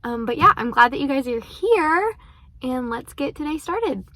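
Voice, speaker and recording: A woman's voice: high voice, animated, moderate pace, sharp tone. A young woman, vlogging casually as a first-year teacher from her car and her classroom, chatty and rambling with many fillers. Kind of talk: casual vlog chat.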